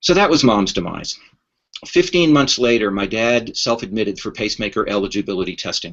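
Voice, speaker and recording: A man's medium-pitched voice, fairly quick and lively in intonation. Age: 60s. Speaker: end-of-life advocate. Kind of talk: interview. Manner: halting.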